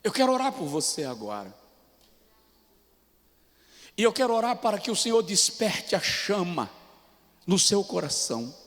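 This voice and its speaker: A Brazilian man with a Brazilian Portuguese accent preaching a sermon as a pastor. He tells personal stories and swings between hushed appeals and shouted peaks. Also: sits high, sing-song, normal speed, pauses often. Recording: long reverb with music underneath. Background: soft music.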